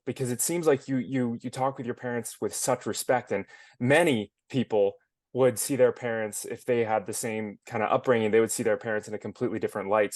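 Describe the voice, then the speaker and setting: A man asking an interview guest long, gentle, curious questions, with some hesitant restarts. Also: on the low side, no room sound. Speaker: podcast co-host.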